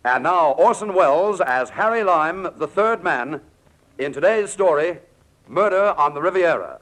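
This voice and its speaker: Grand high-voiced radio announcer man. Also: lively intonation, a little slow, a bit bright, rough recording. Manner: grand, declamatory. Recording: old radio broadcast over music.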